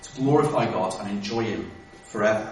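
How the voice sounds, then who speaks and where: A man with an English accent talks at a medium pitch and with lively intonation, over noticeable background noise and audible room echo. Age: 30s. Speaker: pastor. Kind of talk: sermon.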